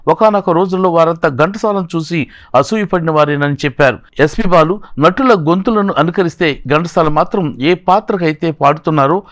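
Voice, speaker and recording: A man reads a local news report in a formal, even voice-over. His voice sits a little high. The recording is dry and close, with no room sound. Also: dry recording. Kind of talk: scripted news narration.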